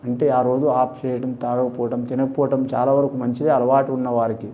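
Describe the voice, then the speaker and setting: A man giving a horoscope reading in a steady, explanatory way, politely tacking "andi" onto his sentences. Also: medium pitch, fast talker, lo-fi sound. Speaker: astrologer.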